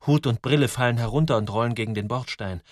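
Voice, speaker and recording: A man reading a story aloud in scripted narration, with lively, dramatic ups and downs. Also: mid-range voice, fast, no echo, studio quality. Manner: lively, dramatic storytelling with sudden drops and rises. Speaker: audiobook narrator.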